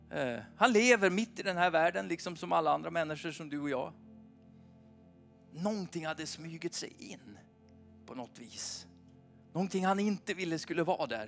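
High-voiced man preaching chattily. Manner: chatty, animated, keeps asking the crowd "va?". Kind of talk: informal sermon. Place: church meeting.

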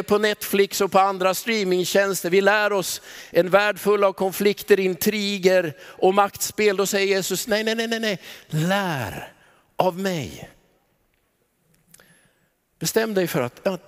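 A male pastor delivers a sermon with a notably high voice that rings through a long church reverb. He lets deliberate pauses hang and sinks to a hushed, low tone on his key words.

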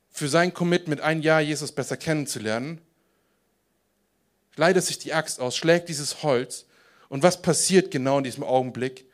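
A man preaching a casual, animated sermon as pastor, acting out voices and dropping to quiet, intense prayer tones. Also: fairly high pitch.

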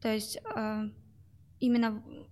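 A woman's voice: a little high, steady tone, takes it slowly, mellow. A young woman, a guest in an interview, describing her work at a call center, speaking with many hesitations and fillers. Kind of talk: interview answers.

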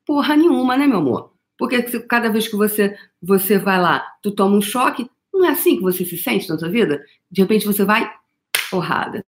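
A woman's voice: medium pitch, animated, fairly quick, slight background noise. Emphatic Brazilian woman coach, live talk. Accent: Brazilian Portuguese. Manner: emphatic, calls listener "meu amor", mild swearing. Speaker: motivational coach.

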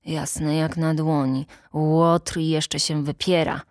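Woman putting on a low, muttering sardonic farmhand. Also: flat delivery, slow, darkish tone, no room sound, studio quality. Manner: muttering, sarcastic. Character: grim, sardonic village farmhand, a father.

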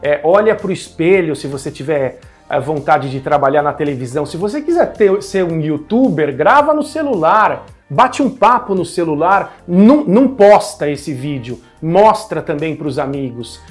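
A man with a Brazilian Portuguese accent giving direct, encouraging tips on speaking as a media columnist; his voice is not deep. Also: expressive, moderate pace, soft background music. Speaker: media columnist and communication coach. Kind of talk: instructional talk to camera.

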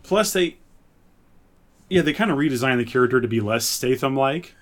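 Male podcast host, mid-pitched voice, informal conversational delivery on pop culture. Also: expressive, normal speed, fairly bright tone. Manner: reads out listener suggestions and reacts. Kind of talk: casual chat about games and films.

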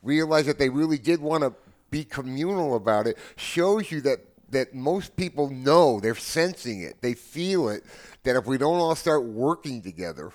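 An American man in his seventies talking casually and earnestly as a podcast guest, often halting and repeating his words as he goes. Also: medium pitch, lively intonation. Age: 70s. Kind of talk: casual conversation.

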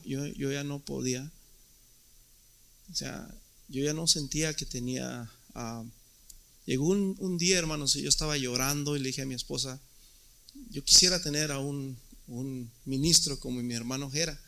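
A man's voice: on the high side, moderate pace, vocal fry, sharp tone. A man preaching a sermon as pastor, emphatic and often repeating words.

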